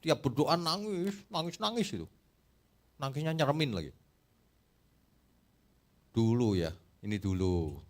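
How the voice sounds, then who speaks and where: A man's voice: mid-range voice, a little slow, long pauses. A middle-aged male pastor preaching a sermon, telling stories and acting out the quotes. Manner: lively storytelling with acted-out quotes.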